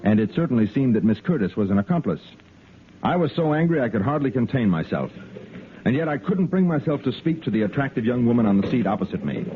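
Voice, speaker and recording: A man's voice: medium pitch, very animated, fast talker, close to an everyday voice. A man playing a firm adult cavalry lieutenant who also narrates a 1950s radio drama. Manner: firm, commanding. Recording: tinny 1950s radio broadcast.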